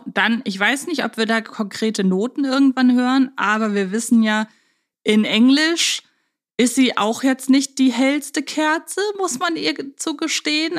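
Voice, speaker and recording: A woman co-hosts a relaxed fan podcast. She talks in a chatty, reflective way, working out her thoughts as she speaks. The tone is conversational and lightly humorous. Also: fairly high pitch. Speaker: podcast host.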